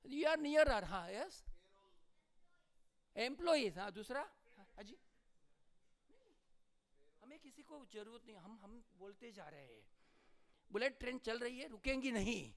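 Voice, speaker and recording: Animated man prodding his audience. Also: extremely high pitch, measured pace, long pauses. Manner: animated, prods the audience for answers; mixes Hindi and English. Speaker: lecturer. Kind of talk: lively seminar talk to accountants.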